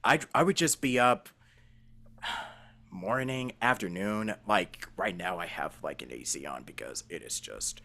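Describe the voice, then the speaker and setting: A man's voice: low voice, lively intonation, measured pace, creaky, sharp tone. A man hosting a casual interview, talking in an informal, slangy, rambling way. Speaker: interview host and voice actor. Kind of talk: casual chat.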